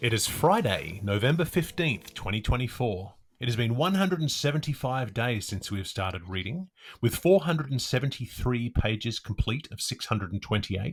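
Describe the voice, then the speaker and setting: On a very clean recording with a silent background, a man with a medium-pitched, somewhat breathy voice talks at a moderate pace, his pitch swinging very widely. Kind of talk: podcast intro.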